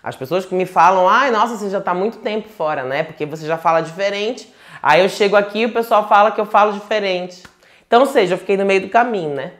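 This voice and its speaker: A man's voice: sits high, fast, fairly bright tone. Man with a Manaus accent, tarot teacher, casual home lecture, chatty, digressive, tag questions. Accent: Manaus Portuguese. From Manaus, Brazil. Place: home, indoors.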